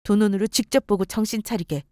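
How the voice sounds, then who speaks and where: A woman voicing a composed wife who calmly mocks and scolds her husband in a story radio drama. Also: mid-range voice, fast talker, no echo, clean studio sound, close to an everyday voice. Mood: cold. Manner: cool, mocking, composed. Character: calm, cutting wife who takes over company. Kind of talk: story radio role-play.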